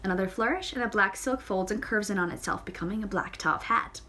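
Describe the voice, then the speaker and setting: A woman's voice: mid-range voice, brisk, pushed and bright. A woman reads a novel aloud in a casual way. She often stumbles and corrects herself, and she adds playful side comments of her own. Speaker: audiobook reader.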